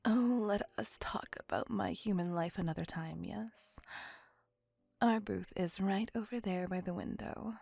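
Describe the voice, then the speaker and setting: A woman voicing a possessive, centuries-old female vampire in an ASMR roleplay, whispering softly with formal, old-fashioned phrasing. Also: mid-range voice, a little slow, creaky, breathy edge, no echo. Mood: tender. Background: faint music.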